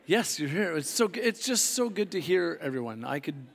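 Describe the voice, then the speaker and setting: A middle-aged man from Canada, a pastor with a hoarse voice, preaching a sermon in a casual, rambling way with many fillers and restarts. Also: on the high side, very animated, normal speed. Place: church hall. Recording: long hall reverb.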